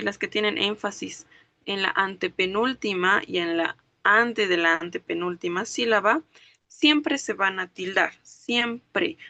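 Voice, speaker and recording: Woman, language teacher, bright clear voice, dry close sound, patient step-by-step explaining. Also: mid-range voice, dry recording. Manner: explains step by step, checks understanding with frequent questions; spells out words syllable by syllable. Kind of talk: online class lecture.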